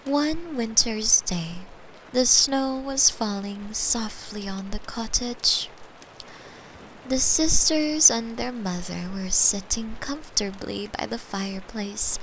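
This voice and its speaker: A woman playing a caring, playful young girlfriend in an intimate ASMR bedtime roleplay, gentle and soothing, sometimes slipping into whispers. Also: mid-range voice, slow pace, slight background noise, low-quality recording. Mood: soft storytelling. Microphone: close microphone, made for headphones.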